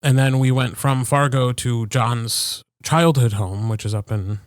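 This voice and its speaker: A man's voice: mid-range voice, measured pace, no room sound, clean studio sound. A man from Wisconsin with an American accent, co-hosting a podcast and telling personal stories informally with wry understatement. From Wisconsin, United States. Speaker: podcast co-host. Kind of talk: casual chat, personal storytelling.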